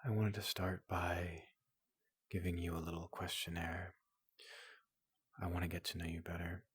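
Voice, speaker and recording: A man playing a big, gentle robot doctor in a soothing ASMR roleplay, speaking in a hushed, breathy half-whisper with a polite, reassuring manner. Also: low voice, flat delivery, no room sound, clean studio sound. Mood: soothing, welcoming. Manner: slow, gentle, reassuring, repeats questions softly.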